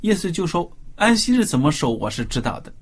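A man co-hosting a Bible study, reading scripture aloud and discussing it in an animated way with rhetorical questions. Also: a little high, fairly quick, slightly rough.

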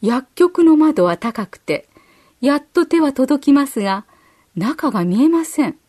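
A woman narrating a children's story in a gentle, measured storytelling manner. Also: high voice, very animated. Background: faint music.

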